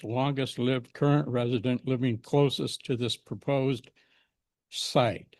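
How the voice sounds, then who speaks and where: Gravelly American man in his seventies. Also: mid-range voice, darkish tone, no room sound. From United States, Pacific Northwest. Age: 70s. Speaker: resident giving public comment. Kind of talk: prepared public speech.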